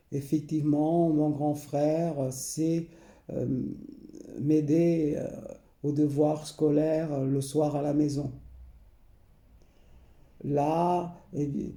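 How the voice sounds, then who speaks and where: A man, recalling his past slowly and hesitantly, often pausing and repeating himself. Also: a little high, warm tone, roomy sound. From Portugal. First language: Portuguese. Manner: hesitant, many pauses and repeated phrases. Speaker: memoir narrator. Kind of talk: slow personal recollection.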